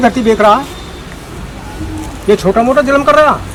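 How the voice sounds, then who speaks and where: A man speaks with an extremely high pitch. Crowd noise sounds in the background. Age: 70s. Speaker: farmer. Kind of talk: interview answer. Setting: outdoors.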